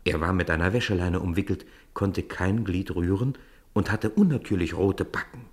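A man narrating a children's audio drama in an expressive storytelling manner. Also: low-pitched, normal speed.

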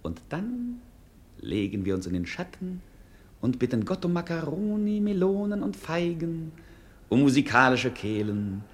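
An actor playing an idle, mocking court fool with theatrical, mock-solemn grand airs in a radio play. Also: male voice, fairly high pitch, very animated, unhurried. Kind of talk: classic German radio play acting.

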